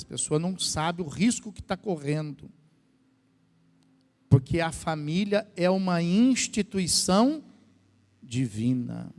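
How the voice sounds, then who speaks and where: Brazilian male pastor, high voice, lively sermon with questions to the flock, long hall echo. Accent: Brazilian Portuguese. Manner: asks the congregation questions, acts out quoted voices. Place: church hall. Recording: long church reverb.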